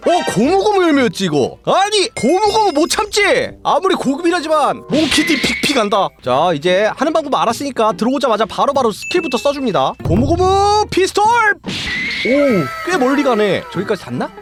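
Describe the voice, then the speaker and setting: A young woman gives lively, excitable commentary as she plays, talking to herself and crying out when things go wrong. Her voice sits fairly high and swings widely in pitch. Game music plays clearly behind her. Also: brisk, hardly any pauses. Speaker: game streamer. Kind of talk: casual gameplay commentary.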